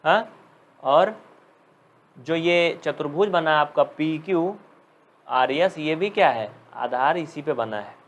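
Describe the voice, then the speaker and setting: Higher-pitched man teaching math, scolding. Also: slow, pauses often, lo-fi sound. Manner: scolding, teasing students, reading out commenters' names. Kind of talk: live online class lesson.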